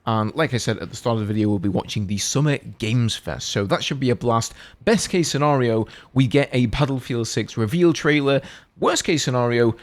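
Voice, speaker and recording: A man's voice: mid-range voice, brisk. A young man making a casual gaming commentary video, reading out text and then chatting about it. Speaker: gaming content creator.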